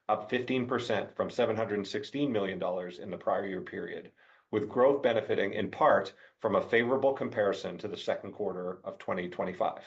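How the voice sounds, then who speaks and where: A man reading a scripted corporate financial presentation as a finance chief, in a formal, measured manner. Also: lowish voice, slightly rough. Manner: formal, measured delivery of figures. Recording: dull, lo-fi conference call audio.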